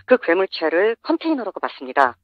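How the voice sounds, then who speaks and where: An anonymous interview guest whose voice is disguised by a voice changer, explaining findings in a steady, methodical way. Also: mid-range voice, fast talker, dry recording, dull audio.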